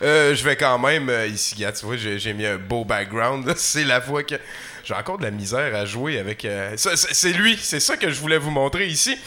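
Lively jokey co-host. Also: male voice, mid-range voice. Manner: jokey, animated, quick reactions. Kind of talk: casual chat.

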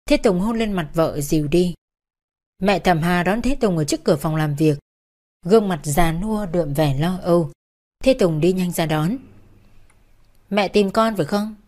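A woman's voice: fairly low pitch, moderate pace, a little mellow. A woman reading a novel aloud as narrator, taking every role in the same plain voice.

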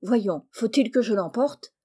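A woman doing a loud rustic carter. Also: a little high, animated, unhurried, husky. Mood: blustering. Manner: loud, blustering, rustic country speech. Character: rough, jolly working man, a carter.

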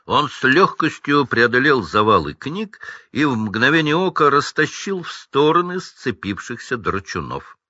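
A man reading a children's fantasy book aloud, narrating with lively, measured expression. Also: medium pitch, no room sound, lo-fi sound. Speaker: audiobook reader.

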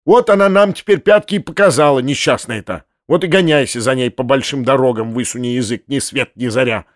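A man voicing a hot-tempered, grumbling landowner who snaps with gruff sarcasm. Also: medium pitch, fairly quick, dry recording, clean studio sound, natural voice.

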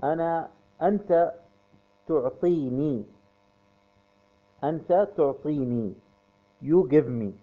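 Male tutor, unhurried, drills phrases twice; thin phone-band audio with mains hum underneath. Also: on the high side, phone-quality sound. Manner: repeats each example phrase slowly for learners. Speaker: English teacher. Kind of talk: slow language lesson.

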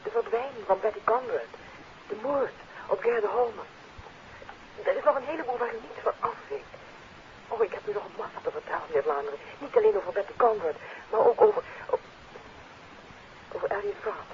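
An actress playing an agitated countess who pleads urgently in a halting, breathless way, in a 1950s radio drama. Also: female voice, fairly high pitch, very animated, slight background noise. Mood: agitated, pleading. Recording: muffled lo-fi 1950s radio recording, murmur behind.

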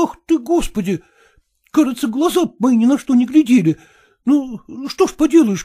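Man doing a meek lovesick clerk, mumbly and servile, kinda teary, mellow voice. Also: very high-pitched, voice pushed up. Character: timid lovesick male office clerk, tearful.

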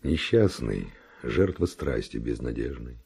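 An actor playing a bold, passionate Spanish nobleman and seducer in a verse radio drama, declaiming ardently in a gravelly, husky voice. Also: rumbling low, very animated, measured pace, darkish tone, heavily acted. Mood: pleading, passionate.

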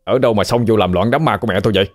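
A man's voice: fairly low pitch, rapid-fire, lightly acted. A man with a Southern Vietnamese accent playing an eldest son who confronts intruders indignantly.

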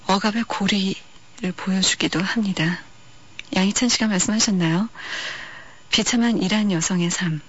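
Calm woman radio host, lo-fi. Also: mid-range voice. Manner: calm, reflective, unhurried delivery with soft pauses. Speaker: radio film-music show host. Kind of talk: scripted radio narration about films. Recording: dull lo-fi radio archive.

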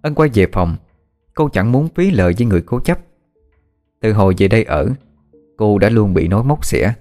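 A man narrating a ghost story in a steady storytelling manner. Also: lowish voice, brisk. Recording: faint music behind.

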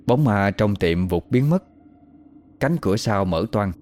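A man telling a horror story in slow, even, suspenseful narration. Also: on the low side. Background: faint music.

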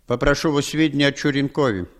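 A man's voice: medium pitch, quick pace, natural voice. A man playing a cool, condescending spy chief. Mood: commanding. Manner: smooth, condescending, controlled. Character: cool, commanding male spymaster boss.

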